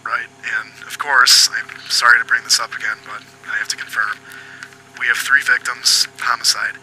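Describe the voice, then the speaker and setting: A man playing a foul-mouthed but apologetic police agent in an audio drama, questioning politely and haltingly. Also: mid-range voice, fairly even intonation, sharp tone, a little hiss or hum, low-quality recording. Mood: businesslike, apologetic. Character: foul-mouthed, apologetic male detective agent hunting a killer.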